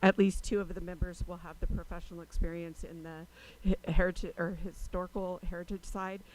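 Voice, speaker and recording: An American man explaining rules in a measured official way at a public meeting, as staff advising a council. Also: high voice, level tone, low-quality recording. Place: city council chamber.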